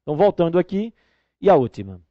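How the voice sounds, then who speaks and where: A male teacher talks through exam answers in a somewhat high voice. He spells out word parts slowly and keeps checking in with "right?". The recording is dry, close and slightly dull. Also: big pitch swings, no room sound. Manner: didactic, checks in with tag questions like "né?" and "correto?". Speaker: Portuguese teacher. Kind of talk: exam-prep video lesson.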